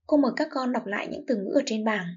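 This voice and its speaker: A woman teacher giving a reading lesson to young pupils, with slow, clear, expressive model reading and word-by-word explanations. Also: on the high side, dull audio. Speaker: primary school teacher.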